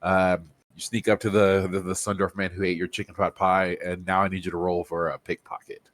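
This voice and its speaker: A man's voice: sits low, flat delivery, brisk, fairly bright tone, no echo. A man narrating as game master of a tabletop game, speaking with many hesitant fillers and restarts.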